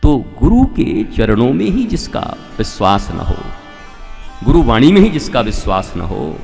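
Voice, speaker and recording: A man's voice: mid-range voice, very animated, a little slow, gravelly, darkish tone. Male Hindu preacher for devotional sermon, emphatic teaching delivery; long hall reverb, instrumental music underneath. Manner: emphatic teaching with rhetorical questions and repeated phrases. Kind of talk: devotional sermon, scriptural storytelling.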